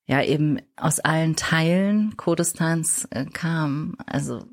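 A woman who grew up in Germany, a podcast interview guest, telling her own story in a reflective way and often pausing to search for words. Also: sits low.

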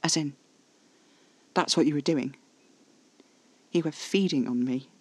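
A man's voice: on the high side, a little slow, no echo. A man voicing a scornful, disbelieving young man in a storybook, blunt and defiant. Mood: stunned, probing.

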